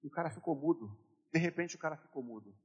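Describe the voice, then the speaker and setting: A man with a Brazilian Portuguese accent preaching a sermon, swinging from loud shouted exhortation to quiet storytelling. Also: a little high, animated, quick pace, slightly rough, muffled recording. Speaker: pastor. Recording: long hall reverb.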